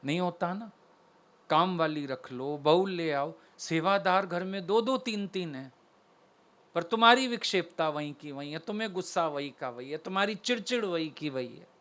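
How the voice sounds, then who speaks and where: A man's voice: fairly high pitch, expressive, normal speed, a bit bright. A male spiritual preacher giving a devotional sermon, animatedly acting out household dialogue while telling stories. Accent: Delhi Hindi.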